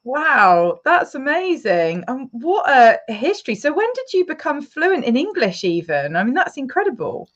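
A woman's voice: high-pitched, sing-song, lo-fi sound. A woman interviewing a guest in a casual chat, reacting eagerly. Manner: enthusiastic, quick to react.

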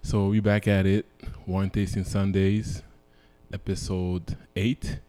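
A man hosting a casual interview podcast, talking in a relaxed way and dropping little words. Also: sits low, takes it slowly, clean tone. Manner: relaxed, drops verbs in casual speech. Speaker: podcast host.

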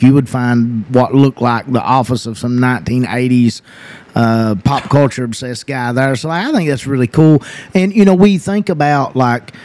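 A man's voice: medium pitch, darkish tone. Rambling man hosting a casual podcast. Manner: rambling, filler-heavy, laughs often. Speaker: podcast host. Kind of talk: casual chat.

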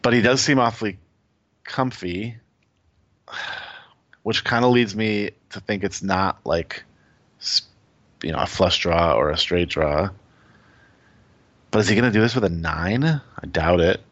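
A man's voice: deep voice, a little slow, pauses often, a bit bright, no room sound, lo-fi sound. A man appearing as a guest, analyzing poker strategy casually and thinking aloud with many "like"s.

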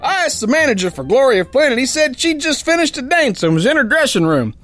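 An actor playing a boastful, dim but good-hearted brawling sailor in a pulp radio drama, with folksy slang. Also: male voice, extremely high pitch, very animated, brisk, a bit bright, soft background music, exaggerated voice. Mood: wry storytelling. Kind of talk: first-person pulp radio drama narration and dialogue.

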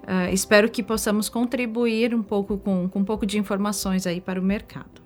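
Female podcast guest, Brazilian accent, medium pitch, polite delivery, music in background. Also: little pitch movement, a little fast, darkish tone. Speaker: guest, technical manager.

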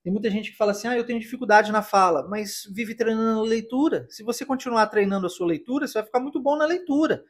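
A Brazilian English teacher with a husky voice, patiently explaining pronunciation step by step in a podcast lesson. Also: medium pitch, quick pace, hardly any pauses. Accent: Brazilian Portuguese.

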